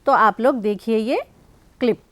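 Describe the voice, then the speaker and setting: A middle-aged woman teaches young children with a slightly raised voice. She explains patiently, asks questions and slowly repeats each sound. Her voice sounds dry and close. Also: a little high, fairly bright tone, dry recording. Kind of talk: classroom lesson for children.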